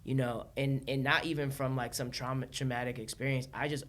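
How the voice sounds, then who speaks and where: A woman from Los Angeles, a podcast guest chatting casually, animated, laughing often and restarting her sentences. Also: rumbling low, fairly quick. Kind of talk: casual chat.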